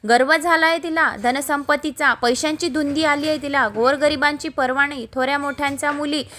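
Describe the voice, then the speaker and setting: A woman playing an indignant old beggar woman in a devotional storybook tale, scolding and lecturing in a high, bright voice. A disguised goddess, bitter at being forgotten. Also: fairly even intonation, brisk, slight background noise.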